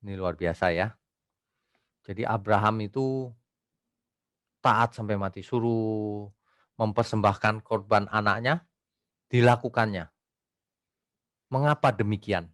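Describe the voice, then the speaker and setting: A male pastor teaching an online Bible study, reading scripture slowly and asking rhetorical questions. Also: on the low side, dry recording, clean studio sound. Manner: reads scripture aloud slowly.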